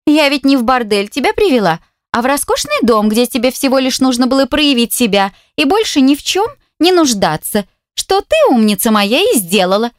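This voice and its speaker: A woman's voice: high voice, very animated, a little fast, hardly any pauses, no room sound, studio quality, voice pushed up. A woman reading an audiobook, voicing a coquettish, spiteful young woman who taunts over the phone. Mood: mocking, venomous. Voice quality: mocking, sugary and spiteful. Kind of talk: audiobook character voice.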